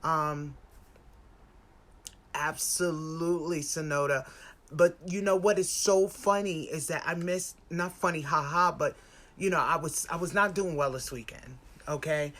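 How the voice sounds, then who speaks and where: A woman's voice: low-pitched, a little slow, fairly bright tone. American woman in her forties, chatting emphatically. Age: 40s. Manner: conversational, emphatic, repeats phrases for stress. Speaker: spiritual lifestyle live-stream host. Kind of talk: casual motivational live-stream chat.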